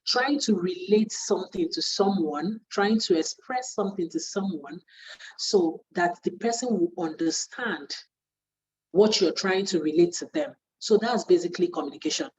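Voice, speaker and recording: A woman's voice: on the low side, normal speed, darkish tone, slight background noise, low-quality recording. A woman, a media training facilitator, teaches trainees in an earnest way and repeats her points for emphasis. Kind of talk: spoken lesson to trainees.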